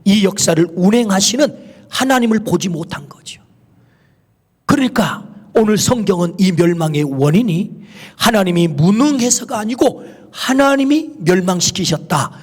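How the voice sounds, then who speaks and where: A man with a high-pitched voice preaches emphatically in a church sanctuary. He asks the congregation questions and answers them himself, then pronounces blessings over them. His words ring out with the long reverb of the hall. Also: animated, moderate pace, slightly rough. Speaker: pastor. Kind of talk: sermon.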